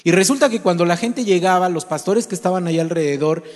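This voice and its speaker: A man's voice: high-pitched, fast talker, a little mellow. A man preaching a sermon, telling a story and asking his listeners direct questions. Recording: long hall reverb.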